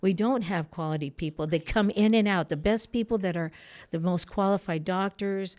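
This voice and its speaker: A woman's voice: mid-range voice, moderate pace, darkish tone. A woman whose first language is Spanish, answering earnestly as an interview guest in rambling, often broken-off sentences. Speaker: interview guest, political candidate.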